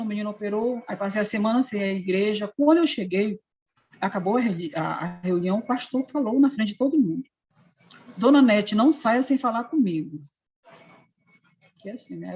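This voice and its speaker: A woman's voice: mid-range voice, a little mellow, breathy edge, highs cut off. A middle-aged woman from Amapá, Brazil, with a local Brazilian Portuguese accent, telling her own story earnestly and acting out the dialogue she quotes. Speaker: interviewee. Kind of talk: personal testimony.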